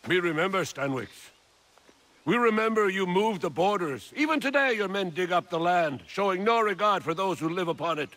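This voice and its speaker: Sharp, defiant tribal elder. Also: male voice, sits high, expressive, moderate pace. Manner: formal, declamatory. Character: proud, defiant Native American tribal elder. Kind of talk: dramatic video game acting.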